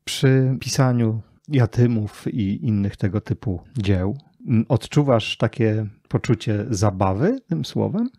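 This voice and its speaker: Male interviewer, lowish and soft-edged, casual conversational delivery, very dry close recording. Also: expressive, slow pace, hardly any pauses, no echo. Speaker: podcast host, interviewer.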